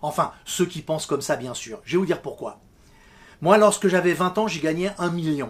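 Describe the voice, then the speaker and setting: A man speaks at a moderate pace in a high pitch with ordinary pitch variation. His loudness swings widely in a very clean recording with a silent background. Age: 60s. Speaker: business coach YouTuber. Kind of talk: vlog monologue.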